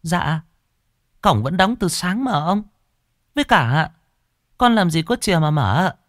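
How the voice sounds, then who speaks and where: A man's voice: sits high, sing-song, a little slow, a bit bright, no echo, studio quality, voice pushed up, exaggerated voice. A man voicing a meek young servant girl who answers her master politely and deferentially.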